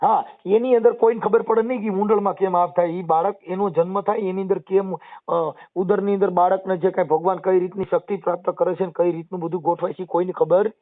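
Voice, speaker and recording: A man explains old verses and history at length, now and then chanting couplets in a slow, drawn-out way. His voice sits high for a man. The sound is thin and tinny, like a recorded phone call. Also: steady tone. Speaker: social media personality taking calls.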